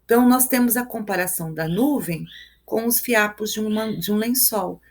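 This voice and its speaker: A woman's voice: mid-range voice, moderate pace. Brazilian woman teaching step by step. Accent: Brazilian Portuguese. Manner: explains step by step, counts syllables aloud, tags lines with "né?" and "ok?". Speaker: Portuguese teacher. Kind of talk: live review lesson.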